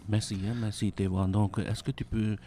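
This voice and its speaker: Low-voiced male radio host, hesitant. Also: level tone, moderate pace, warm tone, slight background noise. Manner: hesitant, many "euh" between phrases. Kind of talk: radio interview. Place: radio studio.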